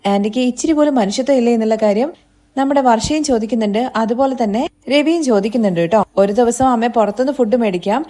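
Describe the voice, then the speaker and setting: A woman tells the story of a serial episode at a fast, rushing clip, in a chatty way. Her voice sits a little high and sounds warm and mellow. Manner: chatty, retells scenes and quotes characters in her own voice. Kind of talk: casual spoken episode recap.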